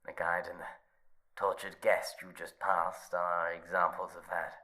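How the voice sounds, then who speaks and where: A man's voice: low voice, level tone, a little slow, bright, forceful tone. An actor playing a suave, mocking male overseer of a hotel test, silky and teasing, slipping into whispers in a horror audio drama.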